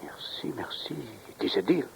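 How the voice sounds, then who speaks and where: An actor with a French accent playing a polite, wary jewel buyer in a 1940s radio drama, speaking in formal, stilted phrases. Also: male voice, moderate pace, in a whisper, close to an everyday voice, poor audio. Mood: businesslike, guarded.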